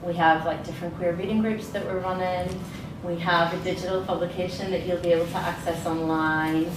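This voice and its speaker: A woman hosting an informal exhibition tour, talking in a relaxed, conversational, slightly hesitant way. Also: fairly low pitch, fairly quick. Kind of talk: informal public talk. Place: indoor gallery space. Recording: echoey room, distant mic, noisy.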